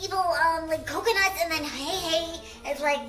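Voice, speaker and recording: A woman speaks in an extremely high, squeaky helium voice with a bright edge. She rambles through a casual, excitable story retelling, girlish and full of filler. The room sounds echoey. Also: normal speed. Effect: squeaky helium-altered voice. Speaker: video host. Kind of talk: casual, rambling movie retelling for a challenge video.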